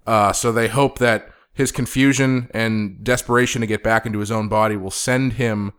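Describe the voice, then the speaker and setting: A man's voice: fairly low pitch, fairly even intonation, normal speed, fairly bright tone, clear, resonant tone. A man hosting a podcast in a studio, chatting casually and rambling with fillers. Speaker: podcast host. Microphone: studio microphone.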